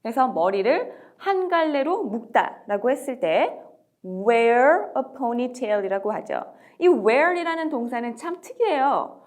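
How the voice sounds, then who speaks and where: Woman teacher, higher voice, slow and very lively, drills phrases for parents. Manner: lively, drawn-out modelling of English phrases. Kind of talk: slow, deliberate language lesson.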